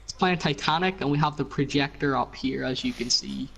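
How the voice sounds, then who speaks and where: Casual male gamer, medium pitch, loose and rambling tour-guide delivery. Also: fairly quick, creaky, a bit bright, a little hiss or hum, low-quality recording. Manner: rambling, many fillers and "you know". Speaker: player showing his build. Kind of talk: casual game tour narration.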